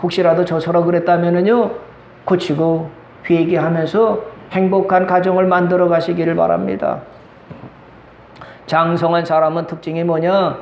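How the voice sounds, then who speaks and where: A man's voice: a little high, little pitch movement, moderate pace, darkish tone. A male pastor preaching a Sunday sermon, telling stories with acted dialogue and asking the congregation questions. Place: church sanctuary. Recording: echoey church hall with faint background noise.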